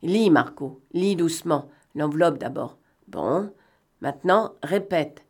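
A woman reading aloud and voicing a cunning male gentleman thief who talks in a mocking, bantering way and snaps out brisk orders. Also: low voice, expressive, breathy edge, exaggerated voice. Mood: commanding. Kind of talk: audiobook reading.

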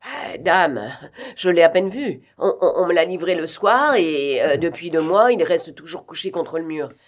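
A woman reading the lines of a hesitant, unsure male prison guard, who speaks haltingly. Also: lowish voice, animated, natural voice.

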